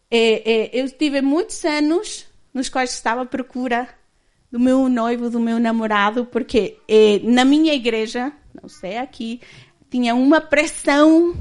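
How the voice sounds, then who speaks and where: A woman in her thirties giving a candid personal testimony as a church speaker, often laughing as she tells it. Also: high-pitched.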